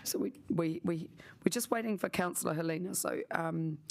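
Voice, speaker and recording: A woman chairing a council committee meeting, her voice slightly raspy from a sore throat, speaking hesitantly with fillers and apologies. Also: lowish voice, moderate pace.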